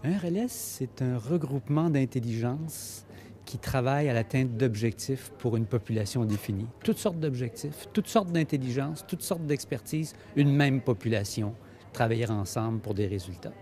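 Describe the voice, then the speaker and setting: A man in his sixties with a Quebec French accent, speaking in crisp, declarative lists. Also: mid-range voice, lively intonation, moderate pace, warm tone.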